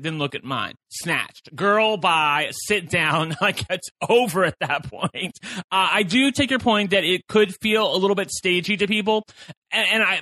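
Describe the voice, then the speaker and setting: A man co-hosting a podcast, telling excitable stories in casual chat with lots of fillers and laughs. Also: high voice, no echo. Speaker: podcast co-host.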